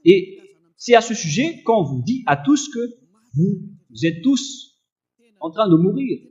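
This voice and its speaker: A man preaching a fervent sermon in a loud, forceful, admonishing manner, reading and explaining scripture. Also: sits high, sing-song, unhurried, dull audio. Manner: accusatory, admonishing.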